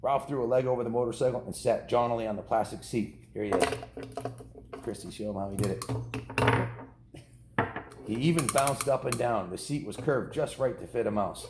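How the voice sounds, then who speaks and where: A man's voice: mid-range voice, a little fast, long pauses, heavy background noise. A man casually reading a children's novel aloud, ad-libbing informal asides to kids in a home setting. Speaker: storybook reader. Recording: roomy, echoing indoor sound.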